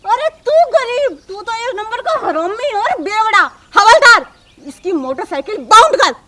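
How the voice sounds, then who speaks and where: A woman playing a sharp-tongued young police officer who is also a daughter-in-law. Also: very high voice, big pitch swings, measured pace, slight background noise, heavily acted. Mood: stern. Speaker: police officer in a comedy telefilm.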